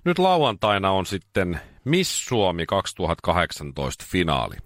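A man hosting a radio show, telling stories in casual chat. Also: noisy background. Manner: animated storytelling, jumps into high voices when quoting.

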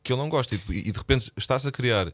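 A man's voice: medium pitch, very fast, no echo, studio quality. A Portuguese man with a European Portuguese accent, a musician guest in a radio interview, talking hesitantly and thinking aloud with many restarts. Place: radio studio.

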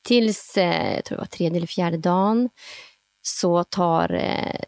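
A woman with a Hälsingland accent, telling a story as a guest in a lively way, laughing often and whispering the thoughts she quotes. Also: on the low side, vocal fry, smooth, dry recording. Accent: Hälsingland Swedish. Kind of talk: storytelling in casual conversation.

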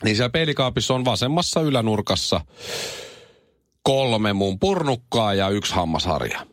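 A man in his thirties hosts a morning radio show with a lowish voice that rises and falls a lot as he tells stories. The sound is close and dry, with no room around it. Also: no echo. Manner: animated storyteller. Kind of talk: radio news and banter.

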